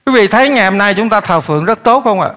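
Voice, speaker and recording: A male pastor, preaching a lively sermon that swings between loud urging and quiet asides while he keeps questioning the congregation. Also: sits high, fast. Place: church hall. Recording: echoey church hall.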